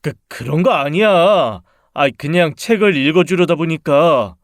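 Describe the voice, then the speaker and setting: A man's voice: on the high side, expressive, unhurried, no echo, clean studio sound. A man playing a resentful drunken husband. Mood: flustered. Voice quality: reproachful, accusing tone. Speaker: husband in a dramatized story. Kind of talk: radio drama acting.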